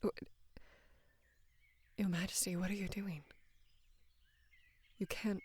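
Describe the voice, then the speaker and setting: A young woman in her twenties playing a devoted female knight in love with her queen, speaking hesitantly and deferentially in a soft, breathy voice for intimate roleplay audio. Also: medium pitch, level tone. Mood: flustered, pleading. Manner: hesitant, halting, deferential, earnest.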